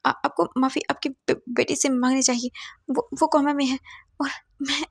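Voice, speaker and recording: A woman's voice: sits high, steady tone, moderate pace, no room sound, clean studio sound. A woman voicing an anxious young man who speaks earnestly and stammers, repeating words. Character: worried young man at his wife's bedside.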